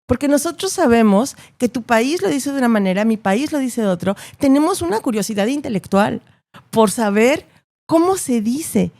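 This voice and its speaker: A woman speaks as an interview guest, her voice carrying a gravelly, creaky texture. She makes her points thoughtfully and emphatically, often checking in with a quick "no?". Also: on the high side, animated, darkish tone. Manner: thoughtful, emphatic, with frequent rhetorical "¿no?". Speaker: journalist guest. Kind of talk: podcast interview answers.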